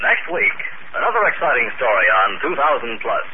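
A man's voice: medium pitch, very animated, noisy background. Formal old-time radio announcer, man. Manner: formal, measured. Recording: tinny 1950 radio broadcast over music.

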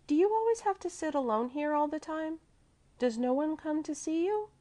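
A woman's voice: a little high, sing-song, normal speed, a little mellow, voice pushed up. A woman voicing a chatty, trusting little girl who prattles eagerly in a children's storybook. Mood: friendly, sympathetic.

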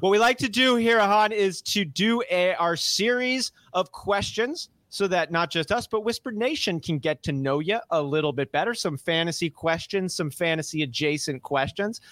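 High-voiced upbeat podcast host, dry sound. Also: male voice, dry recording. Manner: energetic, rattles off lists quickly. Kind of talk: upbeat casual podcast talk.

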